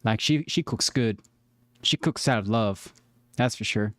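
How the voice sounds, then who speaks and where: A man's voice: lowish voice, a little slow, a bit bright, no echo. Joking male streamer, dry sound. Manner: joking, chatty, talks to viewers. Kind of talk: casual reaction commentary.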